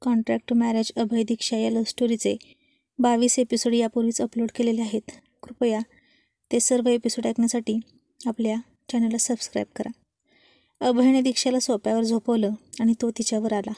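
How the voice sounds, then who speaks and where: A woman storyteller narrating a love story in an expressive read-aloud manner. Her voice sits fairly high and is mellow. The recording is dry and close. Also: fairly quick, no room sound.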